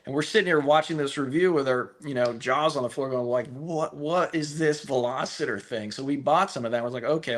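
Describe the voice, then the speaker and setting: A man's voice: medium pitch, fairly bright tone. A man from a firearms company, answering interview questions at length in a talkative, conversational way with frequent restarts. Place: live stream call.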